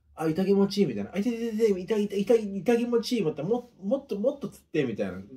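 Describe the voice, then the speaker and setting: Faint music plays in the background as a man rattles along at a very fast pace. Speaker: home vlogger. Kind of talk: casual vlog chat while eating and drinking. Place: home room. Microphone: camera far.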